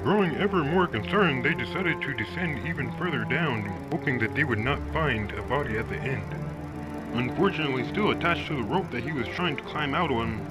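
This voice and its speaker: A man narrating a scripted documentary in a measured, somber storytelling manner. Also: mid-range voice, rough recording. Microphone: voice-over. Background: music underneath.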